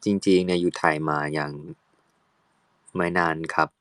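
Low, slow-talking young man chatting. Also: steady tone, a bit bright, clear, resonant tone, no room sound. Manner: chatty, playful, switches into halting English. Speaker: actor hosting a fan audio chat. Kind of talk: casual chat.

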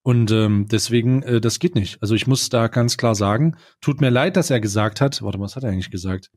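A man's voice: fairly low pitch, brisk, a little mellow, no room sound, studio quality. A man co-hosting a casual podcast with a mock-formal, ironic manner. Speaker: podcast co-host. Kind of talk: casual chat.

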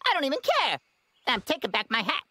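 An actor voicing an excitable, proud and stubborn young monkey prince in a children's cartoon, given to whooping exclamations. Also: high voice, fairly quick, no echo, heavily acted. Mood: stubborn, annoyed. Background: loud children's music.

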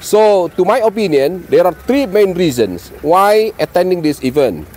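A man's voice: high-pitched, very animated, moderate pace, a little mellow, a little hiss or hum. A man from Indonesia with an Indonesian accent, speaking in a friendly, emphatic way in a busy conference hall. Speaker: travel vlogger interviewing exhibitors. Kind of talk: casual event interview.

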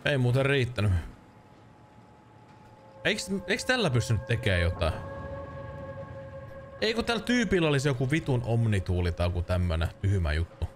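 Thirties man streamer, rambling and joking, lots of swearing, animated voice. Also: mid-range voice, pauses often, faint music behind. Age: 30s. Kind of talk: casual let's-play commentary.

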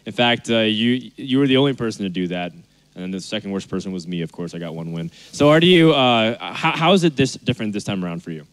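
A man's voice: lowish voice, lively intonation, fast talker, no room sound. A man hosting a live pre-match interview with players, upbeat and teasing. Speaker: esports interviewer host.

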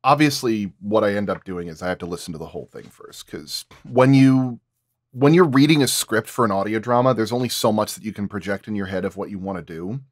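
A man's voice: on the low side, fairly quick, no echo, clean studio sound. A man speaking as a sound designer on a panel, explaining his craft casually and in thoughtful detail.

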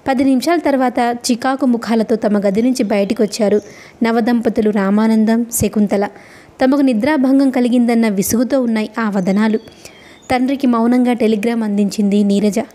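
Mellow-voiced woman reading a novel. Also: on the high side, steady tone, moderate pace. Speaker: storyteller.

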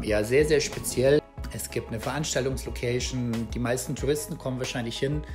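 A man in his thirties, talking casually to the camera from a small room at home, relaxed and chatty with many fillers and restarts. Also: medium pitch. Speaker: travel vlogger. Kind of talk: casual travel vlog to camera.

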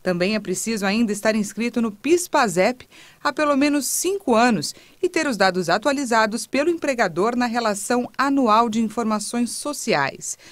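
A woman reporter reading a news report voice-over in a brisk, even narration. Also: on the high side, no echo.

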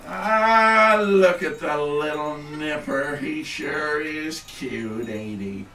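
Male actor: drawling, relaxed mobster, slow, echoey. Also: on the high side, recorded from a distance, soft background music, exaggerated voice. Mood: easygoing. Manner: drawling, easygoing. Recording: echoey, off-mic.

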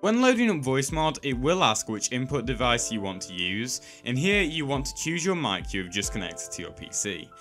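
A man delivers a scripted how-to voice-over in a bright, forward tone. His pitch moves up and down a lot, with emphatic starts and falling phrase endings. Soft music plays behind him. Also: very animated, moderate pace, few pauses. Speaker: tutorial host. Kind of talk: scripted instructional narration. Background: background music.

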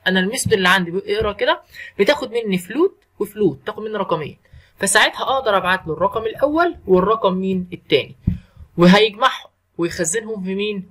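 Middle-aged Egyptian man, programming lecturer, very quick talker, slightly husky, answers his own questions. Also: high voice, a bit bright. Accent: Egyptian Arabic. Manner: asks the class questions and answers them himself. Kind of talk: screen-recorded coding lesson.

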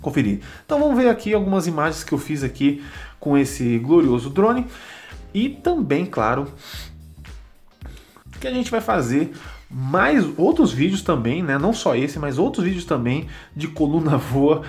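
A man's voice: on the high side, big pitch swings, moderate pace, slightly rough, soft background music. A man with a Brazilian Portuguese accent explaining a product casually as a vlog host, chatty and often checking in with listeners. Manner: chatty, constant check-in tags. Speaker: drone channel host. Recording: loud wind and traffic noise.

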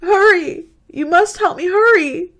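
A woman playing a hysterical young college girl in a radio horror drama, gasping out halting, repeated pleas for help. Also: extremely high pitch, fairly bright tone. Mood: hysterical pleading. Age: young adult. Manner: frantic, gasping, halting and repetitive. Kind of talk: amateur radio horror acting. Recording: noisy home-recorded radio drama.

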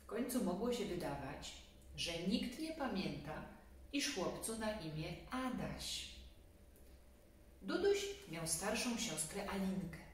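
A woman's voice: medium pitch, slow. A woman in her forties reading a children's story expressively, with casual asides to her young listeners. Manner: expressive, addresses children directly. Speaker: storybook reader. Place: small indoor room, seated on a sofa. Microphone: camera a few metres away. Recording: very echoey room, distant mic, faint noise.

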